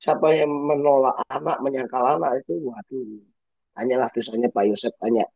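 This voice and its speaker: A man preaching as a pastor, in a lively, chatty way full of rhetorical asides. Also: mid-range voice, moderate pace, vocal fry. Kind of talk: sermon. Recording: dull muffled sound.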